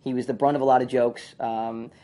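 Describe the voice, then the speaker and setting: Fast-talking man recalling his sitcom role. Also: medium pitch. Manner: fast, animated storytelling with many fillers. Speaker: former sitcom actor. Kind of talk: retrospective interview.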